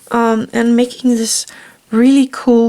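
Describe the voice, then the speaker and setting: A woman with a fairly high pitch mumbles her words. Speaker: drawing tutorial creator. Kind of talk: tutorial. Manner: mumbling; hesitant, many fillers.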